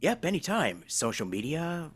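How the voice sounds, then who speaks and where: A man's voice: fairly high pitch, sing-song, normal speed. A man hosting a casual podcast interview, earnest and rambling in the way he makes his points. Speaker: podcast host, voice actor.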